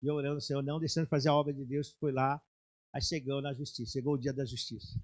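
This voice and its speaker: A middle-aged man preaching a sermon with personal testimony, moving from quiet storytelling to loud, shouted exhortation. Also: mid-range voice, level tone, quick pace. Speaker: pastor. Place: church sanctuary.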